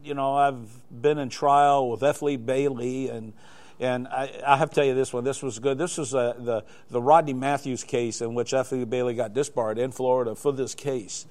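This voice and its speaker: A man's voice: medium pitch, fairly even intonation, moderate pace, a little mellow. An older man, a guest in a live studio interview, telling anecdotes in a rambling way with many restarts. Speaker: interview guest, glider flight examiner.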